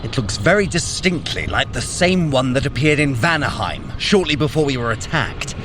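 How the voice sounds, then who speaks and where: A man playing a shrewd, inquisitive trickster god with a measured, formal, analytical way of talking in an audio adventure. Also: mid-range voice, expressive, lightly acted. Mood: probing. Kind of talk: scripted audio fitness adventure acting. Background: music.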